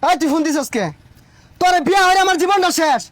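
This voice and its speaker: A man's voice: extremely high pitch, fast talker, loud music behind the voice. A man doing a ranting, fed-up young husband. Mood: exasperated. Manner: ranting, exasperated. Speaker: character in a comedy skit. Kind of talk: comic skit dialogue.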